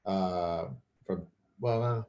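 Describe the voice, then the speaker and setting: A man's voice: sits low, extremely slow, mellow, muffled recording. A man who grew up in Mexico and speaks Spanish as his first language, talking casually and thoughtfully as a filmmaker guest, often restarting his sentences. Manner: thoughtful, with frequent restarts and fillers. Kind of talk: casual chat.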